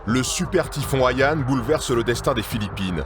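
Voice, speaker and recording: A man reading a scripted documentary narration in a measured, serious voice. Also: medium pitch, animated. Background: music.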